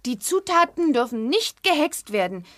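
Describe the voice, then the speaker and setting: A woman playing a bright young witch girl in a children's audio drama, enunciating with emphasis as if from a spellbook. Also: sits high, sing-song, moderate pace. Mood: insistent. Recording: 1980s audio drama with background noise.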